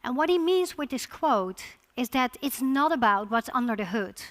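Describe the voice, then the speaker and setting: Speaking with a Dutch accent, a woman from the Netherlands presents at a conference in a high-pitched, animated voice. She keeps restarting and repeating words as she goes.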